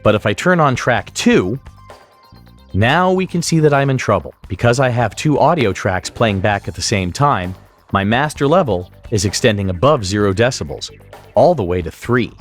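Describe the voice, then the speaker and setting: A man giving step-by-step instructional narration as a software tutorial instructor, explaining clearly what he does on screen. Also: medium pitch, animated, normal speed, faint music behind.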